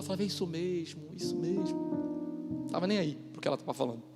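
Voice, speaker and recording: High-voiced pastor, echoing church. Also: male voice. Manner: emphatic storytelling, swinging between loud outbursts and hushed asides. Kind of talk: church testimony. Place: church service.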